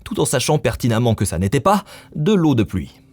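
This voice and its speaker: A man's voice: medium pitch, very animated, a little fast, darkish tone, soft background music. A man reading scripted, dramatic story narration as the narrator.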